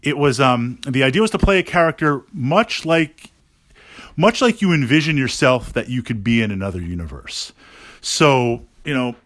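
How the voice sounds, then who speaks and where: A man giving a casual podcast monologue as a gaming host, thinking aloud haltingly and repeating words for emphasis. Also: medium pitch, animated, a bit bright, no echo, clean studio sound.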